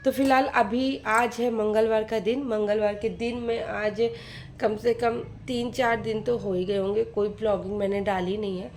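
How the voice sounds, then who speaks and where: Woman, 30s, vlogger, casual monologue, talkative, frustrated venting, fairly high voice, faint background noise. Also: flat delivery, moderate pace, a little mellow. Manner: talkative, venting with frustration, addresses viewers directly. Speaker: vlogger and mother. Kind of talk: casual chatty vlog monologue. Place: at home, sorting winter clothes.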